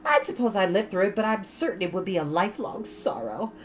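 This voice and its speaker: A woman's voice: medium pitch, animated, fairly quick, close to an everyday voice. A woman voicing a dreamy, romantic, chattering young girl in a storybook, gushing with dramatic earnestness. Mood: gushing, wistful. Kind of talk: storybook read-aloud. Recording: dull, lo-fi, faint background noise.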